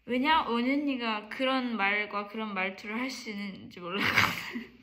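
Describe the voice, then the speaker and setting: A young woman, the youngest member of an idol group, chatting casually on a livestream, excitable and teasing. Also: a little high, moderate pace, very noisy. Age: young adult.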